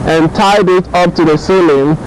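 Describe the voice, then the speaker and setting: A man's voice: sits high, fairly even intonation, moderate pace, a little hiss or hum, poor audio. A man with a Nigerian accent giving casual vlog commentary, often repeating and rephrasing his points. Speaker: YouTube host.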